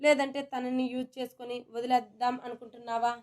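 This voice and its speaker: A woman reading a storybook and voicing a calm, commanding young man who questions with sarcasm and sternness. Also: very high-pitched, brisk. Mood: stern.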